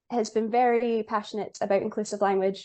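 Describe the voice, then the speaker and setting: Against a quiet background, a woman with a Scottish accent speaks in a dark, mellow tone with fairly even intonation. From Scotland, near Glasgow. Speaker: conference interpreter and PhD researcher. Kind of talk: interview conversation.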